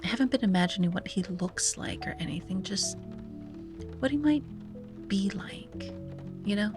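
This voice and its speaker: In an ASMR roleplay, a woman plays a wistful young sea-witch full of self-doubt, delivering a soft, intimate monologue over music. Her natural, mid-range voice is breathy and animated at a moderate pace, often dropping to a whisper. She sounds tender and yearning, musing hesitantly, sighing, and being gently playful.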